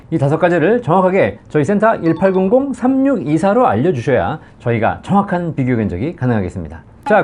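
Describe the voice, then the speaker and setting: A middle-aged man who hosts a pension consulting channel, explaining the terms to viewers in a persuasive way and now and then acting out what callers ask. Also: mid-range voice. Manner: lively, persuasive, acts out callers' questions.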